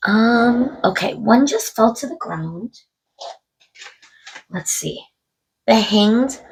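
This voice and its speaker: Woman tarot reader, husky and stuffed up, chatty musing delivery. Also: a little high, animated, drawn-out words, rough recording. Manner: musing aloud, addressing spirit and viewers. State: stuffed up from a cold. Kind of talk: casual tarot card reading to camera.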